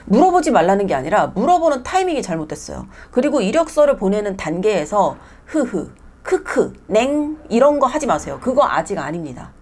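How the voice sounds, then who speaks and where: A woman's voice: mid-range voice, a little mellow. A woman who owns a nail salon, ranting bluntly and with exasperation in a casual vlog monologue, mixing polite and plain speech.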